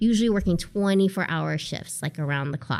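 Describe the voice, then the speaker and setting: In a very clean recording with a silent background, a woman with an unremarkable speaking voice talks at a fairly slow pace, her fairly low pitch showing ordinary variation. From US Midwest, Omaha. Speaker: community organization director. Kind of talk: interview. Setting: studio.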